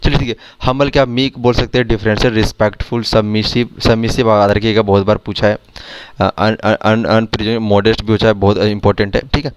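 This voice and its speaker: Fast-talking Indian man teaching vocabulary. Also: lowish voice, level tone, slight background noise. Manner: explains words with repeated quiz questions. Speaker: English teacher for exam prep. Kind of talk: Hindi vocabulary lesson over screen.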